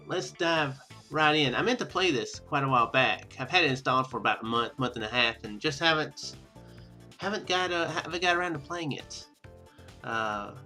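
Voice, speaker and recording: A man giving casual let's-play commentary, rambling and thinking out loud as he plays. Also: medium pitch. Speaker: gaming video host. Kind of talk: casual let's-play commentary, reading game text aloud.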